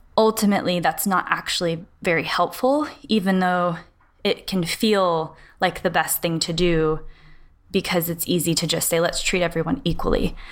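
A woman with an American accent speaks in a normal speaking voice, fairly low in pitch, at a moderate pace with ordinary pitch variation. The recording is very clean, with a silent background. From Texas, Dallas-Fort Worth area. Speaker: podcast co-host, PhD student. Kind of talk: casual discussion.

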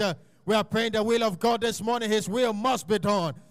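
Music plays in the background as a man talks at a high pitch with fairly even intonation. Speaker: prayer leader. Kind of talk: fervent intercessory prayer. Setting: church. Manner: halting with frequent 'uh' fillers.

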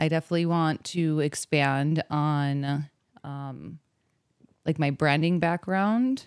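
Very slowly and at a very deep, low pitch, a woman with a Milwaukee accent speaks with ordinary pitch variation in a very clean, dry, close recording with no echo and a silent background. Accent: Milwaukee Wisconsin accent, rounded vowels. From Milwaukee, Wisconsin. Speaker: event planner and social media marketer. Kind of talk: casual interview chat.

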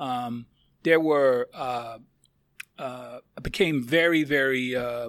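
A man speaks at a medium pitch, recorded with a dry, close sound that has no echo. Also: very clean recording, silent background. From Philadelphia, Pennsylvania. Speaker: heritage center director and former activist. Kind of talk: interview.

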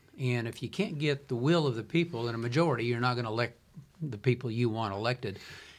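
A man with an American accent talks at medium pitch with ordinary pitch variation. He has an ordinary speaking voice. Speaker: historian, co-host. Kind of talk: casual chat.

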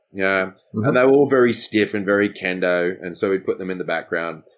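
Someone speaks with an Australian accent against a quiet background. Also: man. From Australia, Sydney. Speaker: fight choreographer and stunt double. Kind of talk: casual chat. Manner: animated.

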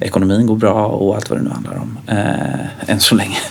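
Noticeable background noise under a moderate-paced male voice, fairly low in pitch. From Sweden, Gothenburg. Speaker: startup founder, HR software comparison service. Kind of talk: interview.

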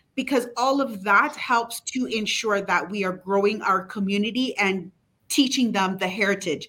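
At a moderate pace, a woman with a Jamaican Canadian accent speaks at a fairly high pitch with ordinary pitch variation and a bright, sharp tone. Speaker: diaspora council representative. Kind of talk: casual interview. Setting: video call.

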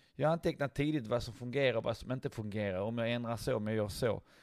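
A man uses a normal speaking voice, medium in pitch with ordinary pitch variation, on a very clean recording against a silent background. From Sweden, Landskrona (Skåne). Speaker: boxer and fitness coach. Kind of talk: interview.

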